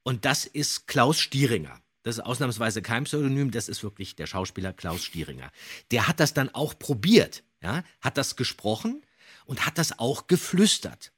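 Podcast guy telling a story, kinda husky, really lively pitch, loves dramatic emphasis. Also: moderate pace. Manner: dramatic emphasis, builds suspense. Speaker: podcast co-host. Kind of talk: animated storytelling, podcast talk.

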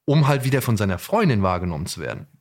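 Halting male podcast host in discussion. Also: on the low side, big pitch swings. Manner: hesitant, searching for words with repeats.

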